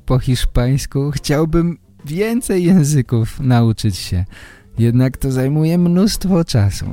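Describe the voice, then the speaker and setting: A male podcast host presents to language learners with careful, deliberate phrasing. His voice is mellow and slow, with guitar music clearly behind it. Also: medium pitch.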